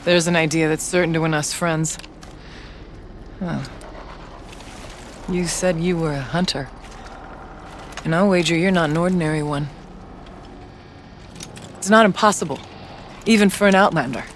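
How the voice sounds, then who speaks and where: A man playing a solemn, wry tribal shaman in a video game, speaking in a measured, earnest, mystical way. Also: a little high, a bit bright, a little hiss or hum, natural voice. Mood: wry, persuasive. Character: solemn, wry Banuk shaman guiding an outlander. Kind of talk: dramatic video game dialogue.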